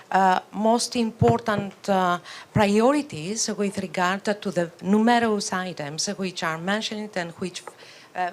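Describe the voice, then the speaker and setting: A woman moderating a conference session, formal and often hesitant. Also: medium pitch.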